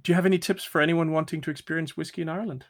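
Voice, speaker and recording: A man's voice: on the high side, steady tone, very fast. A man interviewing a guest as host, in a casual conversational style.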